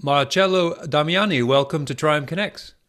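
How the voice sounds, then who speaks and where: A man hosting a podcast, reading a measured, formal introduction and then interviewing his guest. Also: fairly high pitch, fairly bright tone, faint music behind. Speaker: podcast host.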